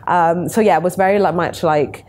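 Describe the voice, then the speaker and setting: A young woman with a low, deep-set voice speaks candidly as a panel guest. She talks in a loose, chatty way, often laughing at herself. The sound is a clean seated studio interview. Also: steady tone, moderate pace, a little mellow. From Italy. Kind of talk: casual discussion. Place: bright studio room, city view.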